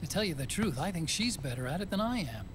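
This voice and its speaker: An actor playing an earnest, hesitant, soft-hearted male computer scientist in a video game cutscene. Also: a little high, very animated, fast talker, background noise. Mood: enthused.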